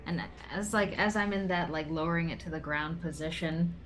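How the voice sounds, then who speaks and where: Female tabletop gamer: casual action-describing talk, lowish pitch, faint noise. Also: fairly quick. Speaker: tabletop game player. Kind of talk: casual role-playing game talk.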